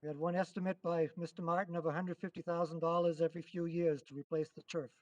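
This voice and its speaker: A man's voice: on the high side, level tone, fast talker, a little mellow, muffled recording. A man acting as moderator, formally chairing a public meeting in brief procedural phrases.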